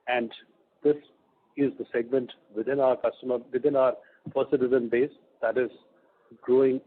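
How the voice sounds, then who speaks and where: A man giving a formal, prepared business presentation as a company executive, speaking in measured, deliberate chunks. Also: medium pitch, level tone. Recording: muffled, phone-like conference call line.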